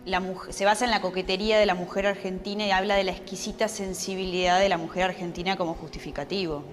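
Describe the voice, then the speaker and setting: A woman's voice: medium pitch, fairly even intonation, quick pace. A woman in a documentary interview, speaking in an indignant, critical way. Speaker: interviewed commentator. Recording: hall reverb, music behind.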